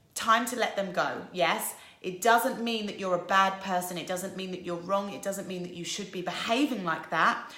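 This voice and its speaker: The tone is bright and sharp, delivered at a moderate pace with audible room echo. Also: woman. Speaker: relationship advice vlogger. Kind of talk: vlog advice monologue.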